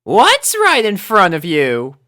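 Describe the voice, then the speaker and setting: Woman as bubbly teen girl, story character, high-pitched, eager, swooping intonation. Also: wildly swooping pitch, slow, fairly bright tone, no room sound, studio quality, full character voice. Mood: curious. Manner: chirpy, eager. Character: bubbly, naive, excitable teenage girl, former siren.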